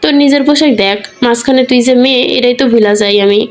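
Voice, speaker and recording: A woman's voice: a little high, a little fast, faint music behind, lightly acted. Woman voicing Bibijan, a scolding grandmother. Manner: harsh, scolding. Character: stern scolding old grandmother.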